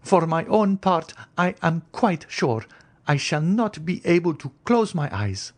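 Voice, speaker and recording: An anxious, superstitious countess played by a male narrator, pitched far above his natural voice. She is coaxing and imperious, stressing her formal phrases dramatically, as in a classic audiobook. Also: very animated, measured pace. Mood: anxious, pleading. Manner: dramatic, emphatic, formal old-fashioned phrasing. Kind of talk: audiobook character acting.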